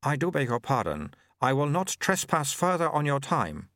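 A man playing a mysterious cloaked male stranger who speaks slowly and formally. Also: a little high, very animated, a bit bright, no room sound, studio quality, pitched above the performer's own voice. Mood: solemn. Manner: slow, measured, formal.

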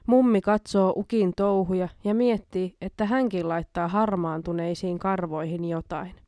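A woman's voice: on the low side, steady tone, warm tone, dry recording. A woman hosting a casual late-night show, reading jokes aloud and giggling at the punchlines. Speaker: host reading listener jokes.

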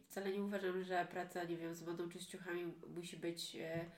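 A woman's voice: on the low side, level tone, fairly quick. A woman podcast host talking casually, often trailing off and restarting her thoughts. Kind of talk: casual conversational interview. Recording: roomy echo.

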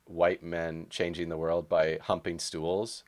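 A man in his early thirties with a notably low voice, talking film in a relaxed conversational way. His phrasing is loose and informal, as in an unscripted podcast chat. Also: takes it slowly. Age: early 30s. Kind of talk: casual conversation about movies.

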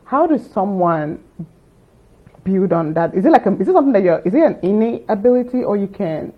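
A woman's voice: mid-range voice, lively intonation, brisk. A woman interviewer asking thoughtful questions, stopping now and then to find her words. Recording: tinny phone-like line.

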